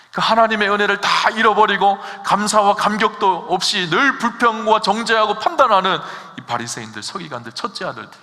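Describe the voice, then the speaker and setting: A male pastor preaching from the pulpit with a very bright, forceful, slightly high voice. He asks the congregation questions and climbs to loud, emphatic peaks. His voice rings with the long reverb of a large church hall. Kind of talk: sermon. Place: church sanctuary.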